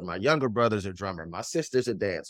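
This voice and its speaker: An animated, energetic man is heard on a very clean recording with a silent background. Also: dry, close sound with no echo. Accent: Washington DC. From Washington, D.C. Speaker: pastor and producer.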